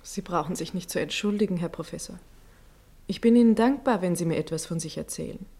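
A woman acting in a German radio play as a respectful hospital nurse, soft-spoken, hesitant and earnest. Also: lowish voice, fairly quick, vocal fry, breathy edge. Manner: hesitant, hushed.

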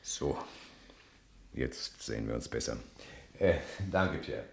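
A man's voice: extremely low pitch, lively intonation, slow, vocal fry, exaggerated voice. A man playing a courteous, probing middle-aged French police detective in a radio crime drama, speaking politely with small hesitations. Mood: calm, insistent.

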